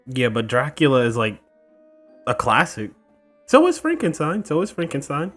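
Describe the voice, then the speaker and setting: A man's voice: medium pitch, wildly swooping pitch, normal speed, a bit bright, soft background music. A man giving casual let's-play commentary, laid-back and slangy, reacting as a gaming YouTuber.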